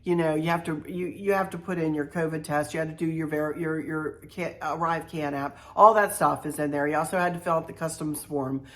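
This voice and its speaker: A woman's voice: low voice, steady tone, a little fast, few pauses. Chatty woman telling a travel story. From Virginia, USA. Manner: chatty, repeats phrases, folksy asides. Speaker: travel vlogger. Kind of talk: casual storytelling to viewers.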